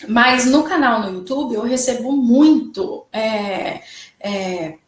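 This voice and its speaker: A woman's voice: on the high side, takes it slowly, roomy sound. A woman and singing teacher explains music theory in an online lesson, checking in with her students all the time. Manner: didactic, checks in often with "né?" and "certo?".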